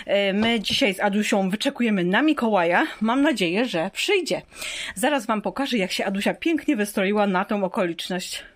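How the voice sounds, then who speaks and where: A woman and mother chatting warmly in a home vlog, coaxing her child with questions. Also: medium pitch, lively intonation, moderate pace. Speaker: vlogger and mother. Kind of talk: casual family vlog.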